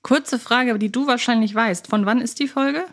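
A woman's voice: on the high side, moderate pace, fairly bright tone. A woman from northern Germany chatting casually as a podcast co-host and quiz contestant. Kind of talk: casual chat.

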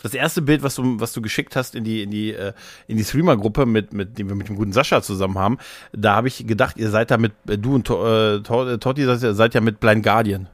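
A man's voice: on the low side, quick pace, dry recording. A man in a casual, joking, colloquial podcast chat, telling anecdotes. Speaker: podcast host.

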